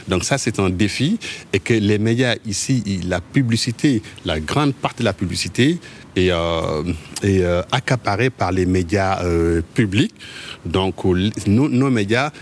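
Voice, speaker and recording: A man from Mauritania, a journalist answering interview questions in a halting way, often repeating words as he searches for them. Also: lowish voice, a little hiss or hum. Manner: halting, with frequent word repetitions.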